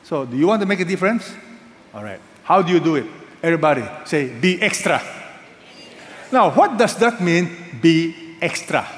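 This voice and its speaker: A man's voice: on the high side, sing-song, brisk, echoey room, long reverb tail. An older man preaching a sermon as pastor, emphatic, repeating key phrases and asking the congregation questions.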